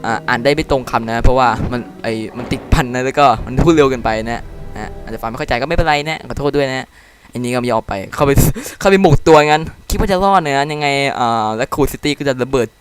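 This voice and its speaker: A man talks his way through a game in a relaxed commentary. He reacts with excited outbursts and reads on-screen lines aloud for viewers. His pitch sits in an ordinary middle range, with faint game music behind him. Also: brisk, clean tone. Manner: chatty, explains controls to viewers. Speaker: game let's-play commentator. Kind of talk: casual gameplay commentary.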